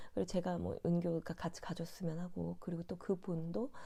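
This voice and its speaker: A woman's somewhat breathy, dark and mellow voice at a moderate pace. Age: 40s. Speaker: parenting author and channel host. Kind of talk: casual monologue. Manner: hesitant with fillers.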